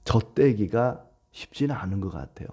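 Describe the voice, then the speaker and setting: A man preaching a sermon as a pastor, animated, with acted quotes. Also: lowish voice, moderate pace, gravelly, husky.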